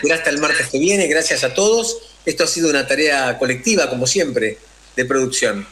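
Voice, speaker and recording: A man's voice: medium pitch, a little fast, fairly bright tone, slight background noise, rough recording. A man hosting a radio program, wrapping up the show in a friendly way.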